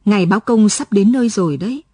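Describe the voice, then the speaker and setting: A kind young village teacher asks his questions quickly and gently, as a woman narrator reads him. The voice stays mellow and a little husky in a dry, close recording. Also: medium pitch, dry recording, close to an everyday voice. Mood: brisk.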